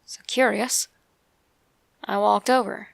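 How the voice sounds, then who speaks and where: A woman with an Appalachian accent narrates a first-person scary story in a creaky voice, measured and with dramatic pauses. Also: mid-range voice, steady tone, no echo. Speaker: narrator of true scary stories.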